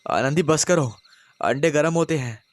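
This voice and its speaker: A man's voice: a little high, moderate pace, close to an everyday voice. A man voicing an irritated young husband who scolds and insists. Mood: scolding.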